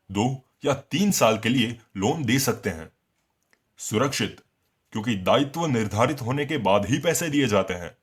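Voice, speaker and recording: Husky male explainer narrator. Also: mid-range voice. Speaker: voice-over narrator. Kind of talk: scripted explainer narration for a corporate promo.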